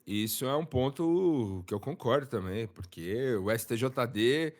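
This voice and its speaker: A man co-hosting a live football talk stream in a casual, slangy, animated way. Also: medium pitch, unhurried. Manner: slangy, animated, with many fillers. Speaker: co-host commentator.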